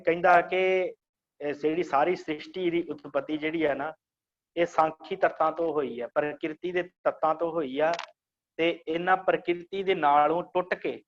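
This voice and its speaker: A man teaching an online scripture class, explaining slowly and repeating phrases to guide pronunciation. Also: fairly high pitch, dull audio.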